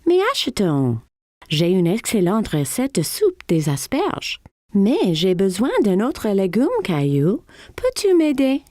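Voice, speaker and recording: A woman's voice: medium pitch, huge pitch swings, slow, darkish tone, no room sound. A woman voicing a patient, encouraging mother who explains things simply in a French-dubbed children's cartoon. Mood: cheerful encouraging.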